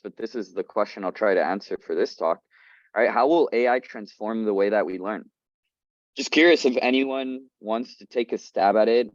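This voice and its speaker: A young man from Colombia gives an upbeat, informal talk on a video call, tripping over fillers and restarting sentences as he goes. His voice sits a little low. The call audio is dull and dry, with no room sound. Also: a little mellow, dry recording. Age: 20s. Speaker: guest speaker, startup founder. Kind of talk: casual presentation on a community video call.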